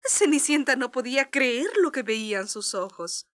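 Animated high-voiced woman storyteller. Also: normal speed. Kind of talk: scripted children's story narration.

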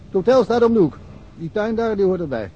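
An actor playing a talkative, folksy middle-aged provincial police inspector in a naturalistic radio drama. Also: male voice, high-pitched, very animated, fast, warm tone. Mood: easygoing, helpful. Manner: talkative, colloquial, self-deprecating. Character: chatty, folksy provincial Swedish police inspector, long-serving local. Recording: muffled, noisy radio drama recording.

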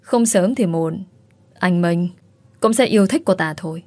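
A woman's voice: lowish voice, unhurried, warm tone, no room sound, natural voice. A woman voicing an injured, weary young wife in a spoken story. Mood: bitter. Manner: curt, weary.

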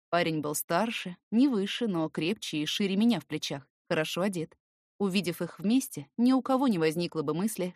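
A woman reading a first-person story as an expressive, scripted audiobook narration. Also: medium pitch, dry recording, studio quality.

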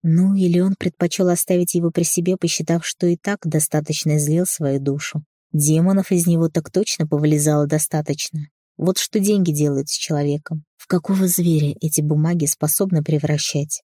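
A woman reading a first-person novel aloud as an audiobook narrator, in an even storytelling manner. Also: deep voice, a little fast, no echo, studio quality.

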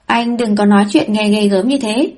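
A woman's voice: mid-range voice, moderate pace, a little mellow, close to an everyday voice. A woman voicing a flippant young heroine in an audiobook reading. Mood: breezy. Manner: offhand, teasing.

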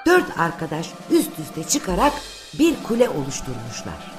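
A woman's voice: sits low, huge pitch swings, unhurried. A woman narrating a scripted fairy tale for children as the storyteller. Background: prominent music.

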